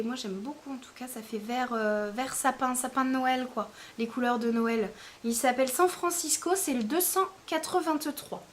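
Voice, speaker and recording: A woman's voice: a little high, fairly bright tone, a little hiss or hum. A woman giving a casual, chatty product review, hesitating often with fillers. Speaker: beauty vlogger.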